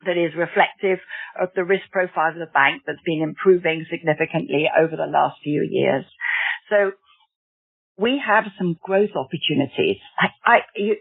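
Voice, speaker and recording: An upbeat, assured woman executive answers analysts on an earnings call, often pausing on an um. Her voice comes through a thin, narrow phone line. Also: fairly low pitch. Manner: upbeat and assured, with frequent ums.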